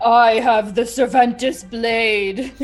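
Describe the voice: This put-on character voice is booming and sits at a fairly high pitch.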